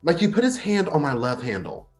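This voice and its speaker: Man acting sardonic, very animated gay clubgoer, roomy sound. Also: on the high side, a little fast. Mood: hurt, bitter. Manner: teasing, sarcastic, dramatic. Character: flirty, sardonic, insecure gay man at a club. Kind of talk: staged play reading. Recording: roomy sound, faint music behind.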